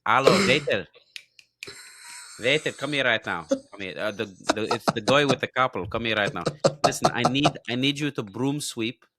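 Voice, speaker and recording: A man putting on the voice of a pushy older Hasidic man loudly ordering around a waiter. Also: medium pitch, moderate pace, noisy background, close to an everyday voice. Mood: demanding. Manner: loud, demanding, clipped commands.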